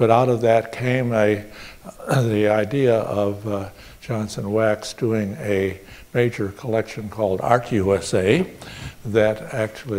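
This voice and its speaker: Very slow and fairly even in intonation, a man speaks with a fairly low pitch. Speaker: curator. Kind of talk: interview. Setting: stage with audience. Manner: halting. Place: stage. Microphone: lapel.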